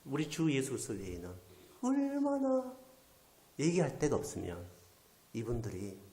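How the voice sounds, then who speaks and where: A man's voice: medium pitch, moderate pace. Guy preaching, tells stories with lots of up and down in his voice, echoey church. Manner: animated storyteller, acting out quoted voices, drops to near whisper. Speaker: pastor. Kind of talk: storytelling sermon. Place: church sanctuary.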